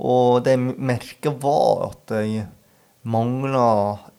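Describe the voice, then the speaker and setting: A man, an author and podcast guest, speaking in a thoughtful, halting way and often searching for his words. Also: mid-range voice, fairly even intonation, creaky, dark tone, clear, resonant tone. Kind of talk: reflective interview talk.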